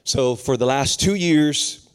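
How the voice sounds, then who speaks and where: Lively Puerto Rican-born preacher man. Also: takes it slowly, smooth. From Puerto Rico. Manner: lively, humorous preaching that climbs higher and more intense as it goes. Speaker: pastor. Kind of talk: sermon.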